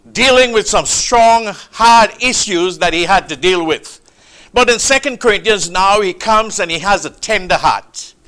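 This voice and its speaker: A man preaching a sermon, with a loud, booming, emphatic delivery, speaking into a microphone in a church hall. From Trinidad. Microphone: handheld or stand mic.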